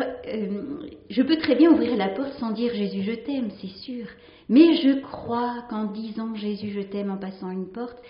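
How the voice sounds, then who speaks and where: A nun reading a story aloud and then reflecting on it gently, with hesitant fillers as she speaks freely. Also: mid-range voice. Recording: roomy, slightly dull recording.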